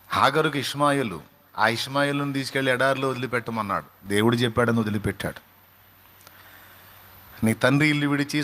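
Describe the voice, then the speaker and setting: A man preaching in a fervent sermon style. His voice has a middle pitch for a man. He swings between quiet pleading and loud, emphatic peaks, and acts out quoted lines with drama. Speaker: pastor.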